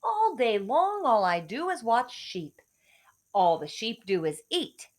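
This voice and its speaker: Storybook shepherd boy, voiced by a woman: young, mischievous, high and very animated, big expressive delivery. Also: takes it slowly. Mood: bored, whining. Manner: exaggerated, expressive, crying out dramatically. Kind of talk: storybook character voice for children.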